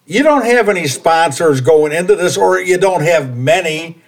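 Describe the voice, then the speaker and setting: A man with a notably high voice hosts a relaxed interview. He talks in a folksy, rambling way and trips over his words, repeating them as he goes. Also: normal speed. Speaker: podcast host. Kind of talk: casual interview chat.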